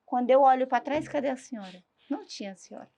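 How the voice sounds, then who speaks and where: A woman giving a personal faith testimony as a talk show guest, in an animated storytelling manner that reenacts dialogue. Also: high-pitched, quick pace.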